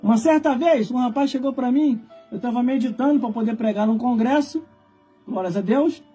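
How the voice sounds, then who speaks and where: A man's voice: very high-pitched, mellow, breathy edge. A Brazilian man preaching, telling a story fervently and theatrically, often calling listeners brother. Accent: Brazilian Portuguese. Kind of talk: storytelling sermon.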